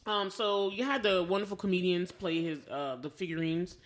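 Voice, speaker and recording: An American woman co-hosting a podcast, chatting casually about a film in an animated storytelling way and acting out reactions as she goes. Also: on the low side, moderate pace. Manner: animated storytelling, acts out reactions in quoted asides. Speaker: podcast co-host. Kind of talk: casual film review chat.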